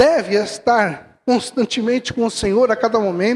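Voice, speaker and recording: A man's high voice with ordinary pitch variation. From São Paulo, Brazil (north zone). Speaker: preacher. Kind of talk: sermon.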